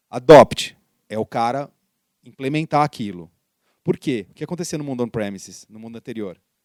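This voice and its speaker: At a moderate pace and medium pitch, a man talks with lively intonation, big swings in loudness and long, frequent pauses. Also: dry, close sound with no echo. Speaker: technology company partner leader. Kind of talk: podcast conversation.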